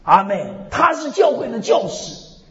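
A man preaching a sermon with lively storytelling, repeating "hallelujah, amen" again and again, swinging between loud and soft. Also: extremely high pitch, a little slow. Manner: peppers speech with "hallelujah, amen" refrains. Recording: echoey hall, dull lo-fi sound.

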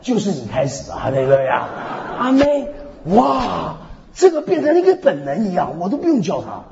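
A man preaching a sermon with lively storytelling, repeating "hallelujah, amen" again and again, swinging between loud and soft. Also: high-pitched, moderate pace, vocal fry. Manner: peppers speech with "hallelujah, amen" refrains. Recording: echoey hall, dull lo-fi sound.

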